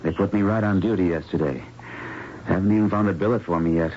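An actor playing a plucky, chivalrous young intern doctor in a radio drama, with a breezy, plain-spoken manner. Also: male voice, low-pitched, quick pace, natural voice. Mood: breezy, friendly. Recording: dull old radio recording, faint noise.

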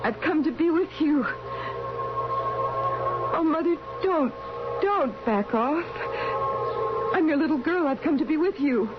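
Radio drama role: dying woman adrift in a dream, high voice, very slow, wistful, pleading. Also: animated. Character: unconscious dying woman dreamily seeking her dead mother. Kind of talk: old-time radio drama acting, inner monologue. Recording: dull vintage radio recording, loud music behind. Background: loud music.

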